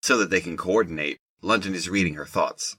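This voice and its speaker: A man's voice: sits low, fairly quick, bright, forceful tone, slightly rough, dry recording. A man narrating a scripted audio drama.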